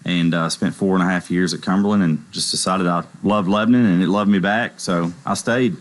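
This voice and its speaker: A man's voice: low-pitched, fairly even intonation, fairly quick. A man from Middle Tennessee, a bank executive promoting a community expo on local radio in an affable way with many fillers. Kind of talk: radio interview.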